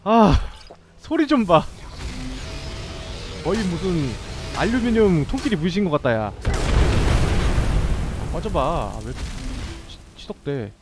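High, lively young man yelling at a game. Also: takes it slowly, long pauses, over loud music. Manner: swearing, yelling bursts at the game. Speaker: gameplay streamer. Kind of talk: live gameplay commentary.

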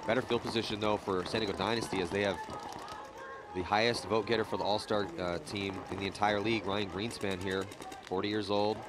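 A man calls a live sports match play by play, his voice sitting on the low side. He gets livelier when the action peaks. Outdoor hum and passing vehicles sit clearly behind him. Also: flat delivery, fairly quick. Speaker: play-by-play commentator. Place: outdoor paintball field.

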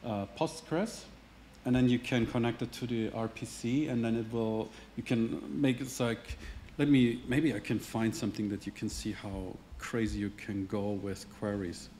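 A man's voice: mid-range voice, steady tone, moderate pace, few pauses, mellow, a little hiss or hum. A man answering audience questions at a tech meetup, hesitant, with many restarts and hedges. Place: meetup venue, indoors, standing at a lectern.

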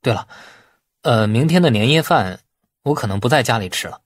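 A man's voice: medium pitch, lively intonation, brisk, breathy edge, no room sound, clean studio sound. A man playing a patient young man in an audiobook, explaining things conversationally to his mother. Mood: soothing.

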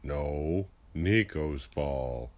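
Woman doing a very low, blunt big dog. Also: very slow, darkish tone, heavily acted. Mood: possessive, refusing. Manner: blunt, terse refusals. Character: big, stubborn, possessive male dog in storybook.

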